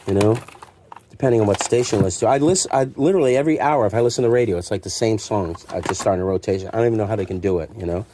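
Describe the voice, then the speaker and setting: A man's voice: fairly low pitch, very fast, mellow. A middle-aged man chatting casually and rambling along in a conversational, self-deprecating way, like a shop owner talking to viewers. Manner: conversational, self-deprecating, acts out imagined remarks. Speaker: secondhand store owner showing stock. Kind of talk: casual, rambling chat to camera. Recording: clear background noise with clicks.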